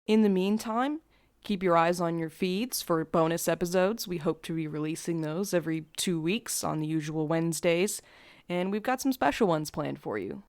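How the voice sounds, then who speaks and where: A woman's voice: on the low side, moderate pace, darkish tone. A woman in a casual podcast Q&A, talking playfully as one of the crew fielding questions.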